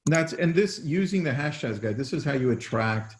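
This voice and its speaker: A man's voice: fairly high pitch, lively intonation, moderate pace. A man hosting a casual interview who repeats words as he steers the talk. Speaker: host. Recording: roomy echo.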